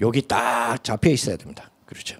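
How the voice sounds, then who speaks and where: A man is speaking. The sound is dry and close, without echo. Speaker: pastor. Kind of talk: lecture. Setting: pre-recorded video.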